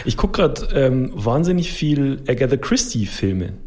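Man, mid-pitched voice, informal podcast banter, enthusiastic delivery. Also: very animated, a little slow, darkish tone. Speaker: podcast co-host. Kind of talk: casual humorous chat.

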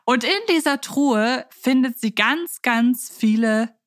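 A woman's voice: on the high side, slow, no room sound. Enthusiastic woman podcaster, close dry sound. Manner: enthusiastic, chatty. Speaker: podcast co-host. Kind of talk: casual fan podcast chat.

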